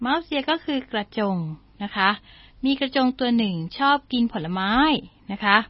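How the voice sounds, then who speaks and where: A woman's voice: sits high, lively intonation, dry recording, muffled recording. A woman teaching English through a story, reading lines aloud, then explaining and spelling out words in a polite, patient manner. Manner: frequent polite particles, slow careful reading. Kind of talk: bilingual storytelling lesson.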